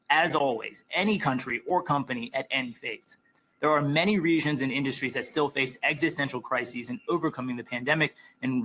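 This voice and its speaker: Bright, forceful male executive. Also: mid-range voice, slight background noise, poor audio. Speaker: company executive. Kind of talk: prepared earnings call remarks.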